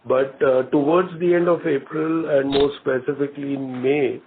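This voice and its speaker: Man, Indian accent, company executive, formal, measured, pausing often, narrow phone audio, slight noise. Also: medium pitch, steady tone. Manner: measured, hesitant, formal, with frequent pauses. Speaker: company executive answering questions. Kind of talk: earnings call answers. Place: conference call. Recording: muffled narrow phone line with some noise.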